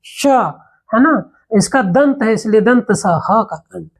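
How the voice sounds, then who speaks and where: Expressive, with a breathy edge to her fairly high voice, a Hindi grammar teacher walks through a spoken lesson. She asks rhetorical questions, offers everyday examples, and carefully sounds out each letter at a slow pace when listing them.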